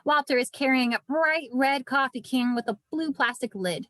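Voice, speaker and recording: A woman narrates scripted stage directions at a virtual table read. Her voice is on the high side, and the sound is dry with no room echo. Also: normal speed, a bit bright. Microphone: video call.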